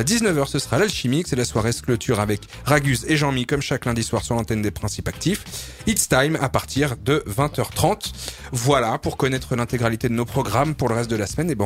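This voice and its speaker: A male radio host talks through the local listings from a studio mic, his voice sitting at an ordinary middle pitch. He stumbles and restarts often, filling gaps with fillers, and slips in small jokes along the way. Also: animated, fairly quick. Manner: loose, hesitant, many fillers, jokey. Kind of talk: casual radio chat and listings.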